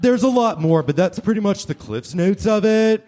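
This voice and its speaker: A man's voice: high voice, lively intonation, normal speed, very noisy. A man playing an earnest, urgent grown son from the future in a staged radio play parody, declamatory in his explanations. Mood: earnest explaining.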